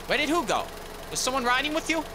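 An actor playing a calm emergency rescuer in an audio drama, asking questions in a reassuring way. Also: male voice, extremely high pitch, quick pace, background noise. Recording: loud idling vehicle engine behind.

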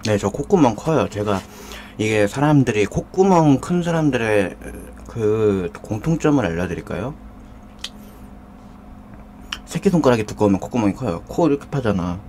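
A man's voice: on the low side, very animated, brisk, few pauses, darkish tone, slight background noise. A man hosting a live mukbang stream, eating and joking while he greets viewers from the chat. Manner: jokey, banters with viewers, reads out chat names. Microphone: desk condenser mic.

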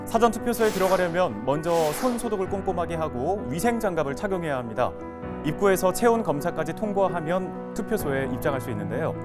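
A man presenting a local news briefing in a lively announcer's delivery. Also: sits high, quick pace. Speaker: news anchor. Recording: music bed behind voice.

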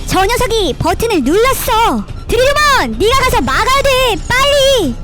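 A woman voicing a brave, excitable battle hero in a dramatic animated dub, with music behind. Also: very high-pitched, unhurried, full character voice. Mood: alarmed. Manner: dramatic, exclamatory. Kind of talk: animated fan dub, exaggerated voice acting. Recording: loud music under the voice.

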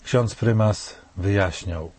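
Older male commentator, dark and husky, measured and solemn delivery. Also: lowish voice, no echo. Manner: measured, grave, rhetorical questions. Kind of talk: scripted spoken commentary.

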